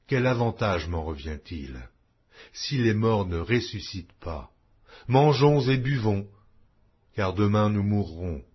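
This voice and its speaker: A man reading scripture aloud in a slow, measured, expressive way, with a husky voice. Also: fairly low pitch. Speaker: Bible reader. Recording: dull lo-fi audio.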